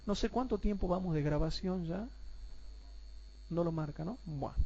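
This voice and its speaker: A man teaching a Bible class, asking rhetorical questions and calling his listeners brothers, and repeating points slowly so everyone follows. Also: high-pitched, vocal fry, dark tone, lo-fi sound.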